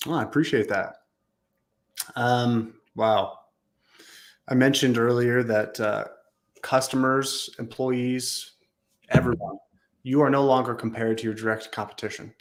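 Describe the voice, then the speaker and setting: A man's voice: mid-range voice, fairly even intonation, a little slow, long pauses. A man speaking as a guest on a casual podcast, earnest and enthusiastic, with casual slang. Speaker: podcast guest, business leader.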